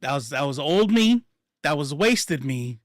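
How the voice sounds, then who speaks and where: A man telling stories in casual chat, profane and animated, acting out what people said. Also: on the high side, unhurried, no echo, clean studio sound. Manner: profane, animated, acts out quotes.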